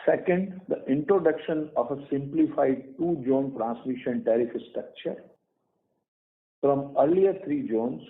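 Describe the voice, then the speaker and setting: A man's voice: mid-range voice, unhurried. Indian-accented male executive on a tinny phone line. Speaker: company executive. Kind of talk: prepared earnings call presentation. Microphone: phone or conference call line. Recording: tinny phone-line conference call audio.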